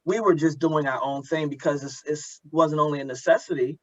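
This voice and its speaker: A man's voice: on the high side, fairly even intonation, fairly quick, no room sound. A man hosting a thoughtful interview, speaking earnestly and searching for his words, on a slightly lo-fi recording. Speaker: podcast host, interviewer.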